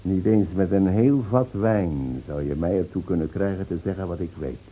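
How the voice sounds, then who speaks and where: An actor in a Dutch radio play playing a mocking, defiant old village drunk who foretells doom with theatrical scorn. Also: male voice, sits low, moderate pace, warm tone, lo-fi sound, slight background noise, lightly acted. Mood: defiant, scornful. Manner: taunting, theatrical, scornfully laughing.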